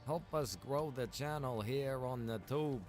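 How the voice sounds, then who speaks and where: A man's voice: mid-range voice, a little slow, darkish tone, soft background music. A man streaming a game, talking in a casual, informal, reminiscing way. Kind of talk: casual chat while streaming roleplay game.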